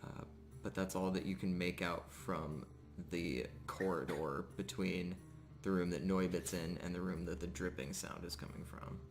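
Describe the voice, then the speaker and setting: A man narrating a live tabletop roleplaying game as game master, often pausing mid-sentence as he describes things. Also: deep voice, steady tone, vocal fry. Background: music.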